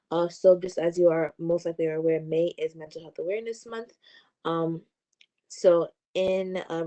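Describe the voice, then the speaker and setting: Woman speaking on a group video call; low, mellow, halting delivery with frequent fillers. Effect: heard over a group video call. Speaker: council office liaison. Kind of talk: giving updates in an online community board meeting.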